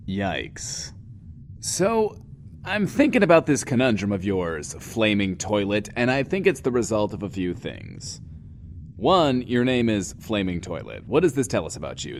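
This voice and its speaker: A man's voice: mid-range voice, a little hiss or hum. An actor playing a flamboyant, wisecracking male radio host in an audio drama, with showy patter and dramatic emphasis. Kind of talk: in-world radio show advice segment.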